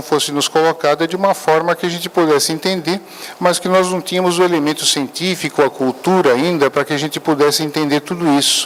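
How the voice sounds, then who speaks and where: A man's fairly quick speech at a fairly high pitch, intonation fairly even, over noticeable background noise. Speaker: spiritist lecturer. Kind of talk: lecture. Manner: halting.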